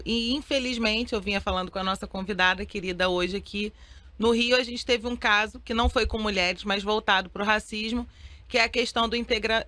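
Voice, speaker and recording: Female interview guest, Brazilian, earnest advocate with a bright, forceful tone. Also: mid-range voice, no room sound. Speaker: guest, lawyer and rights advocate.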